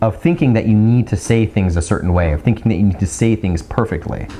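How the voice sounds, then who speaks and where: A man speaks in a fairly low pitch with lively intonation. Noticeable background noise runs behind him. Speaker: dating and social skills coach. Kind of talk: casual talk to camera.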